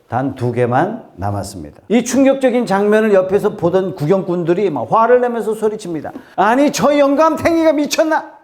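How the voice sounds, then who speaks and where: A man's voice: sits high, darkish tone. A male pastor preaching a sermon, telling a story vividly and asking the congregation questions. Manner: vivid storytelling, acting out quoted voices; asks the congregation rhetorical questions.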